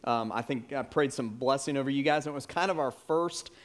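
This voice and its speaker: A man's voice: medium pitch, a little fast. A pastor interviews members of his church. He speaks in an easy, encouraging, conversational way, with a mid-range male voice.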